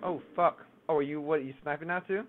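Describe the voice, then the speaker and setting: A man swearing and complaining excitably while losing a casual one-on-one video game match. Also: fairly high pitch, brisk. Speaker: gamer, boyfriend. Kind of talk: casual gaming banter. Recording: tinny phone-like sound.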